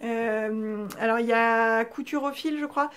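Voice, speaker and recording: Give me a slightly high-pitched woman from France, hosting a casual knitting vlog with lots of hesitant fillers. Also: unhurried, fairly bright tone. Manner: chatty with many hesitations. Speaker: knitting channel host.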